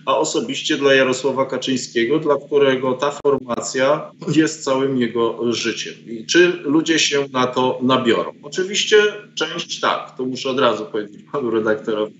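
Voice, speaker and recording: A middle-aged professor joins a political video-call interview from his bookshelf-filled home study as a guest commentator. His medium-pitched, somewhat bright voice moves at normal speed with hardly any pauses, yet he comes across as hesitant and indignant, full of ums. The webcam sound is roomy, dull and lo-fi.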